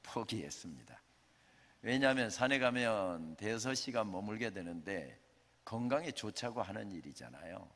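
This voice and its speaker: A male pastor preaches in a conversational, storytelling manner, often posing questions to the congregation. His medium-pitched voice rings through a large sanctuary with a long reverb. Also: fairly bright tone. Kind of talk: sermon. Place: church sanctuary.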